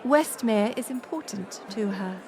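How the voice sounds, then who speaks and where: A woman playing a gracious, resolute middle-aged queen in an audio roleplay, speaking in formal, stately, measured phrases. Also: medium pitch, lively intonation, gravelly, darkish tone, a faint crowd, a little hiss or hum. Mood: earnest reassurance. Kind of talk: scripted audio roleplay acting.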